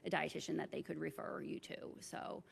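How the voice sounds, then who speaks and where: Very gravelly woman dietitian, echoey hall. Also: deep voice, fairly even intonation, fairly quick. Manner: practical, explanatory. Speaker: dietitian speaker. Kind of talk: conference talk with audience Q&A. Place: large conference hall.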